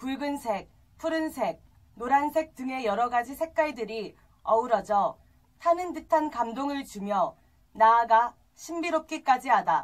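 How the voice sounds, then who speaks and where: A woman's high-pitched voice with lively intonation, at a very slow pace over a quiet background. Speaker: drama student. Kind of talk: reading passage aloud. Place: studio. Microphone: camera far.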